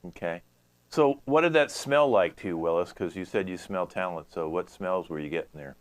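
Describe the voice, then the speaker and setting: Brief: deep-voiced male improv host, halting and filler-heavy, video call. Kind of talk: hosting live improv games.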